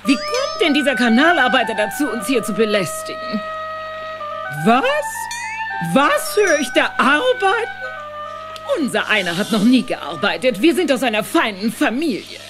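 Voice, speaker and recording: A snobbish old cartoon nanny goat, full of affronted airs. Her high voice swoops extravagantly, with music underneath. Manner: haughty, affronted. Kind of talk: animated film radio play dialogue.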